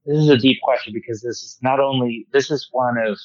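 A man's voice: medium pitch, brisk, no room sound. Man on a muffled, wind-tunnel phone line. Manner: eager, rambling fan talk. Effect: muffled phone line that sounds like a wind tunnel. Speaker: podcast co-host. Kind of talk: casual chat. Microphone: phone call.

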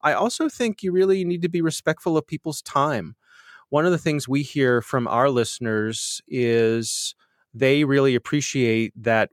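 A man hosting a podcast, chatting with self-deprecating humor and getting animated when he tells stories, with a slightly nasal voice. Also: mid-range voice, no room sound, clean studio sound. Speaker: podcast host. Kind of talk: conversational interview answers.

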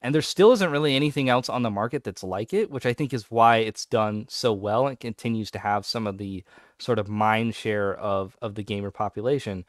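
A man's voice: on the low side, fairly quick, dry recording, clean studio sound. A man co-hosting a podcast in casual chat, talking with growing enthusiasm. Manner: enthusiastic, animated when excited. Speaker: podcast co-host.

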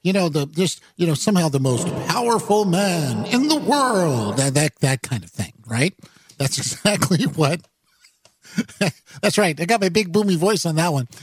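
Speaking into a studio microphone, a talk radio host comments on current news, his voice on the high side with a breathy edge. The recording is dry, and his talk wanders and halts, laden with fillers and self-corrections.

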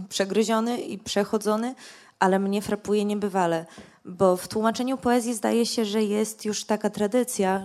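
A woman in the audience puts a question to the panel. Her voice is mid-pitched, and her phrasing is elaborate and formal. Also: darkish tone.

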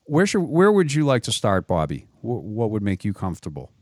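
A man's voice: lowish voice, wildly swooping pitch, fairly quick, no echo, studio quality. A man hosting a Catholic radio interview, who often stops his guest to clarify and repeats words as he starts his sentences. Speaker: radio show host.

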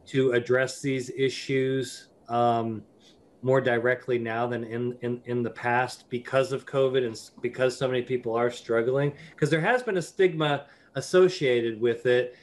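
Male podcast host, relaxed, asks thoughtful questions. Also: medium pitch. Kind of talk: podcast interview.

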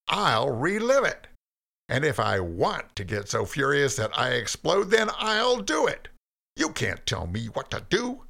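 A bitter, defiant young man who bristles with sarcasm and refuses to back down, as a storyteller puts him on. His voice rides high and swings wildly, with a gravelly edge underneath. He sounds like a sulking figure from a storybook. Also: bright, forceful tone, exaggerated voice. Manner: sarcastic, heated, insistent. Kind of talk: storybook reading.

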